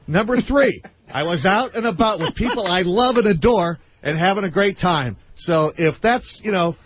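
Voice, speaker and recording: A man's voice: high voice, expressive, moderate pace, slight background noise. A man on a radio show delivering emphatic, blustery banter. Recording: dull lo-fi radio recording.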